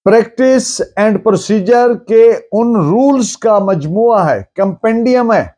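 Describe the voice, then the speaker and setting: A Pakistani man speaks as a lecturer, in a fairly high-pitched but mellow voice. He goes very slowly and deliberately, explaining point by point and repeating for emphasis. English terms are mixed into his speech. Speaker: law lecturer.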